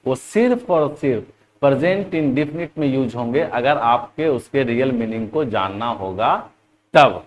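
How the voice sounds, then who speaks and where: A man teaching English grammar to students, explaining in Hindi, slowly dictating example sentences and often addressing the class as "children". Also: medium pitch, lively intonation, slight background noise. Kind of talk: classroom lesson.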